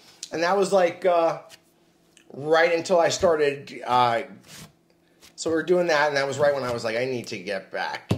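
Over noticeable background noise, a man talks with lively intonation and an American accent. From New Jersey, Bergen County; New Jersey. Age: 30s. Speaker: comedian and show producer; comedian. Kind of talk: casual chat. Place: home room. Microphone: camera far.

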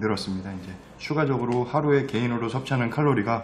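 There is light background noise behind this man. He speaks at a fairly quick pace with lively intonation. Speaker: fitness vlogger. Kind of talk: casual vlog chat. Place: home room. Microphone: webcam.

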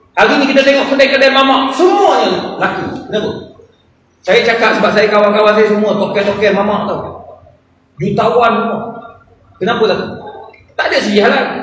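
The speaker goes at a fairly quick pace yet leaves long, frequent pauses, with ordinary pitch variation. Light background noise and audible room echo are present. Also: man, high pitch for a man. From Malaysia. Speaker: professor and religious scholar; professor. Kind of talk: religious forum talk. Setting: stage with audience in a mosque. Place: hall.

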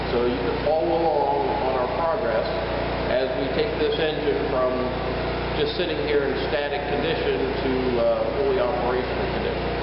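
A man at a moderate pace, with audible room echo and loud background noise. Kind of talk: informal guided tour talk. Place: factory. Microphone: camera far.

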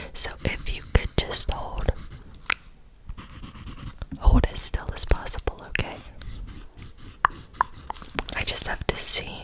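A woman whispers in a gentle tone. Her pace is very slow, with long, frequent pauses. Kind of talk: soft-spoken ASMR role-play. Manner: gentle close whisper. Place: home room. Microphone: studio mic.

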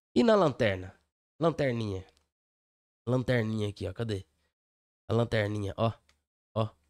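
This man pauses long and often, keeping a moderate pace and ordinary pitch variation against a quiet background. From Brazil. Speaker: football commentator. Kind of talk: casual commentary on league table. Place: home room. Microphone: studio mic.

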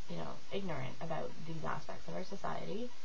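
Clearly audible background noise sits under a woman talking at moderate speed. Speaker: eating disorder recovery vlogger. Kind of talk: casual talk to camera. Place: home room. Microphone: webcam.

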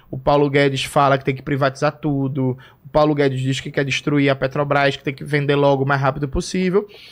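A fairly high male voice, fairly quick and monotone, with hardly any pauses and a quiet background. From Brazil. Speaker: communist commentator. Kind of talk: political discussion. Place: home room. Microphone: studio mic.

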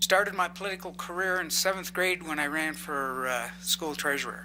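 A man with a western US accent talks at a high pitch and a moderate pace. His intonation stays fairly even, with noticeable background noise behind him. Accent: western American. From Wyoming, Riverton. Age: 60s. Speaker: council seat candidate. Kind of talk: interview answer.

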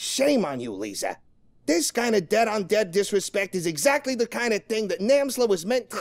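A man puts on a character voice, pitched high for a man and delivered at a moderate pace. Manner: pompous, sarcastic, blustering.

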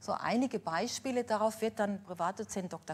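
The woman's voice is somewhat breathy. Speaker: dentistry professor. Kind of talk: lecture. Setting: stage with audience. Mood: light humorous. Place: hall.

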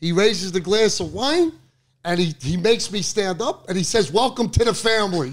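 A man speaks with a Brooklyn accent and lively intonation, his pitch high. The background is quiet. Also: moderate pace. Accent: Brooklyn New York. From New York. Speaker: talk show host. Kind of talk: casual chat. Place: office. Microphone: handheld.

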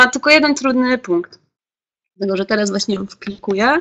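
Against a quiet background, a woman talks very fast in a bright, sharp tone with ordinary pitch variation. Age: 20s. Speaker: journalist. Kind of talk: webinar lecture. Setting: video call from home. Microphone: webcam.

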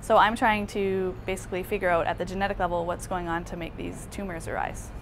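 A woman talks at a very fast pace. Light background noise can be heard. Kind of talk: interview answer. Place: office. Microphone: lapel.

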